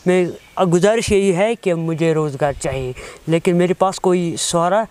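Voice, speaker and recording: A young man with a Kashmiri accent answering interview questions earnestly, in halting, repetitive phrases. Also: high-pitched, darkish tone, clean tone. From Kashmir, India. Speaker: interviewee, mobile phone mechanic. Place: outdoors on a lawn beside a wooden house.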